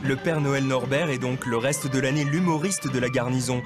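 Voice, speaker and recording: A man's voice: mid-range voice, moderate pace. Wry male documentary narrator over music. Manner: wry, playful delivery. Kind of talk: scripted narration. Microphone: studio voice-over.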